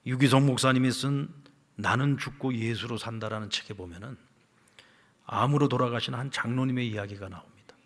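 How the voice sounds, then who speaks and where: A male pastor preaches in a church, his voice at a middle pitch. He tells a story, dropping to hushed whispers and rising to loud, emphatic lines. A long reverb trails each phrase. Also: fairly quick. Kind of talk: sermon. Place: church sanctuary.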